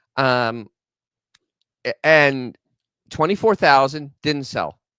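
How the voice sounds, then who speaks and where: An animated tone with a New York accent comes through in a very clean recording with a silent background. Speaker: classic car show host. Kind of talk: live show commentary.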